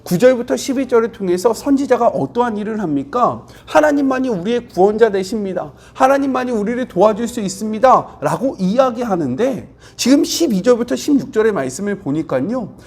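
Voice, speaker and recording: A man's voice: high voice, animated, brisk, hardly any pauses, darkish tone. A middle-aged man preaching a devotional sermon as a pastor, explaining scripture earnestly and voicing the quoted lines with growing intensity.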